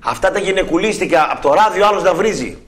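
A brash male radio host with a high-pitched voice. He jokes loudly and teases callers in casual studio banter. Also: expressive. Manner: brash, joking, mocking callers.

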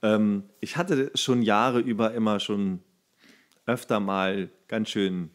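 A man's voice: on the low side, fairly even intonation, slow pace. A man in his thirties co-hosting a casual podcast chat, laughing often and stumbling and correcting himself as he reads aloud. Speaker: podcast co-host.

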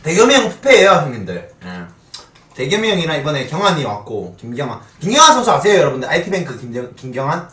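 A young man with a high voice hosts a casual live stream. His delivery is extremely lively, full of banter, and he sounds roomy and set back from the microphone. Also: quick pace, recorded from a distance. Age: 20s. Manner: animated, swearing banter with laughter. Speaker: streamer hosting a mukbang talk show with a guest. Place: small indoor streaming room. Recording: roomy echo, off the mic.

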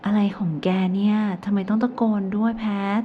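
An excitable, blunt young best friend, as a woman narrator puts her on, loud and teasing, rough with slang, lifted higher than the narrator's own voice. The recording is a little dull, with a faint hiss. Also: moderate pace, natural voice. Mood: excited.

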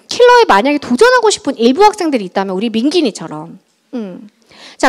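A woman math teacher giving a lively exam-prep lecture to high school students in a large school auditorium, chatty and often checking in with her listeners. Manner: chatty, keeps checking in with the audience.

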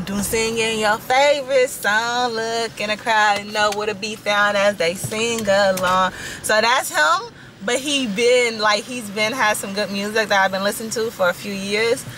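Young woman, slightly raspy, chatty vlog talk, phone at arm's length, noisy car and store. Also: fairly high pitch, sharp tone. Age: young adult. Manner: chatty, addresses viewers as y'all, laughs often. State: slightly raspy from yelling at a concert. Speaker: vlogger. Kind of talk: casual vlog chat. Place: inside a car, then in a store. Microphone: handheld phone camera at arm's length. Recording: background noise from car and store.

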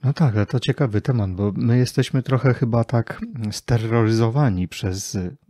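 A man's voice: mid-range voice, moderate pace, warm tone, no echo, studio quality. A man hosting a conversational interview, putting questions and reflections to his guest. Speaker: podcast host, interviewer.

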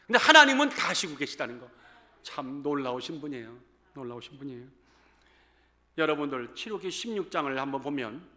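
A slightly high-voiced pastor in his fifties delivers an animated sermon to a congregation in the church sanctuary, alternating booming calls with quiet asides.

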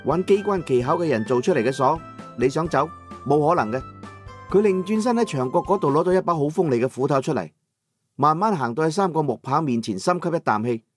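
Higher-pitched Cantonese male storyteller. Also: expressive, a little fast, faint music behind. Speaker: audiobook narrator. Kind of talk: first-person dramatic storytelling.

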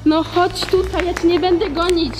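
A woman's voice: extremely high pitch, steady tone, normal speed, darkish tone, soft background music, low-quality recording. A young woman in a spooky adventure vlog, pleading and whining in exasperation. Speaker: camera operator and co-host of a video series. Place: abandoned concrete ruins.

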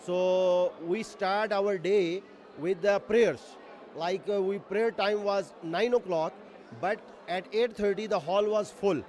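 A man's voice: sits high, slow pace, darkish tone. A man, president of a community center, explaining the day's events plainly in an interview.

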